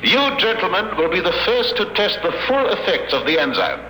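Gloating evil professor, old radio play, bright forceful voice, echoey and hissy. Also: male voice, sits high, sing-song, fairly quick, exaggerated voice. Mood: smug gloating. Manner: pompous, formal, menacing. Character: gloating, megalomaniac European scientist villain, male. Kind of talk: 1950s radio drama acting. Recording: echoey, noisy vintage 1950 radio broadcast.

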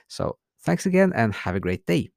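A man hosting a podcast, giving a relaxed, unscripted language lesson, reading example phrases slowly and translating them. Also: medium pitch, creaky, no room sound, studio quality. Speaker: podcast host, language teacher. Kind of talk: casual spoken language lesson.

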